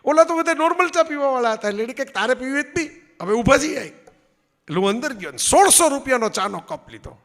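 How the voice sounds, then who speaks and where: A man's voice: very high voice, lively intonation, brisk, a bit bright, big-room sound. A man giving a public speech to an audience, telling anecdotes and checking in with listeners. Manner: storytelling, acts out quoted voices, asks audience "barabar?". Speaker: public speaker. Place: event hall before an audience.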